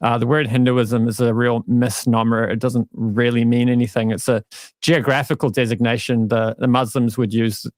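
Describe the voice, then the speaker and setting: A man with a New Zealand accent, a guest calmly explaining his faith with dry self-mocking humor over a live-stream call. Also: mid-range voice, normal speed, no room sound. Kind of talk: casual interview talk.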